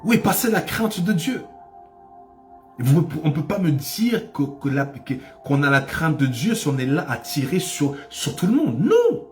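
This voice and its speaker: A man's voice: a little high, very animated, unhurried, faint music behind. A man preaching a sermon as pastor, with impassioned delivery that rises to cries and repeats phrases for emphasis.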